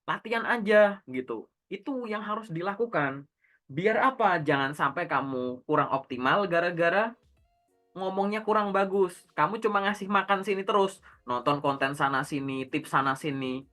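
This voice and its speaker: A career coach speaks in a high, bright, forceful voice at a moderate pace, with faint music in the background. In casual one-on-one talk, he gives direct, instructive advice full of everyday slang, posing rhetorical questions and answering them himself.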